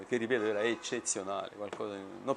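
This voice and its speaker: Here a man talks at a very fast pace. His fairly low voice keeps a fairly even intonation. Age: 70s. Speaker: interviewee, Sicilian-Tunisian emigrant. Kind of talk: interview, personal recollection.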